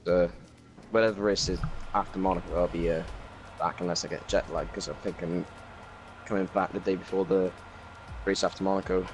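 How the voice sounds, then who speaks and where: Low flat-voiced Welsh man recapping a race. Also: brisk, faint music behind, poor audio. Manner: rambling race recap with many fillers. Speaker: racing league driver. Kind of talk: casual post-race chat. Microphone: new home microphone.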